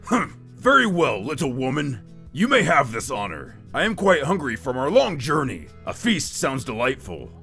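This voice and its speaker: A man playing a short-tempered, battle-hungry god of war with a raspy voice and a pompous, commanding manner in a dramatic story. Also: mid-range voice, wildly swooping pitch, moderate pace, bright, forceful tone, soft background music, heavily acted. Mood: haughty. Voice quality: gravelly, raspy. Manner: pompous, commanding, formal speech. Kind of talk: dramatic fan-story character acting.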